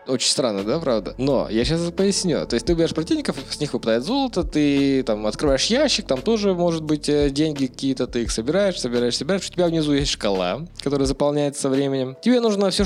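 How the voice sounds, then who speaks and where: A man co-hosting a casual video game podcast, talking in a slangy, conversational way with some swearing. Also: a little high. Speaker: podcast co-host. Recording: music under the voice. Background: background music.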